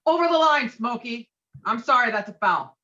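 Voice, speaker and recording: A woman's voice: fairly high pitch, animated, moderate pace, bright, forceful tone, lo-fi sound. A woman acting a belligerent, rule-obsessed middle-aged male bowler in a script read, emphatic, self-righteous and foul-mouthed. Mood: furious, shouting. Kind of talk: acted table read of a film script.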